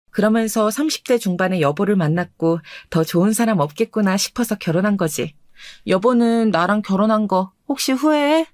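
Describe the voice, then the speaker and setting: A woman voicing a calm, confident and teasing wealthy wife in a dramatized radio story. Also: mid-range voice, no room sound, studio quality, lightly acted. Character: rich, self-assured young wife.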